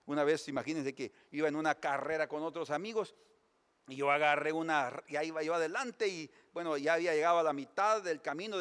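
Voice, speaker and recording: Man, pastor, lively sermon, high voice, long reverberant church. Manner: lively storytelling preacher, animated.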